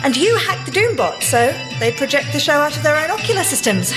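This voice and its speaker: An actress playing a brisk, cheerful, sensible young female secret agent scientist with a British accent and a dry, precise, teasing manner in an audio drama. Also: high-pitched, big pitch swings. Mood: encouraging, teasing. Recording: music under the voice.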